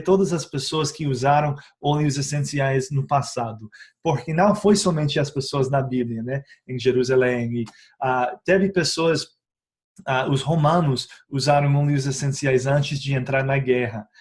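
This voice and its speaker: Man, second-language speaker, slightly high voice, halting and chatty, educational video host. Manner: hesitant, frequent filler sounds and tag questions; speaks a learned second language with self-corrections. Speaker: essential oils educator. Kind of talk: casual teaching video.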